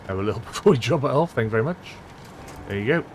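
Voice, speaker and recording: A gameplay commentator chats casually through a let's-play, chuckling often, his voice a little strained and close to giving out. He has a mid-range voice with lively intonation and a quick pace, and a little hiss or hum can be heard.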